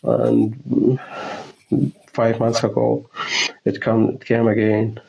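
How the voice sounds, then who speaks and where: Guy in his 30s, slow halting english over a video call, gravelly voice. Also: medium pitch, monotone, dark tone, poor audio. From Syria. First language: Arabic. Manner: hesitant, halting, searching for words. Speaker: interviewee.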